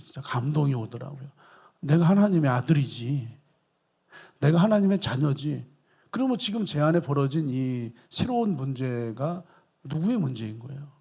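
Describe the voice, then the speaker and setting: A man's voice: fairly high pitch, creaky, a little mellow, husky. A man pastor preaching a sermon in church, earnest and repeating quoted scripture for emphasis.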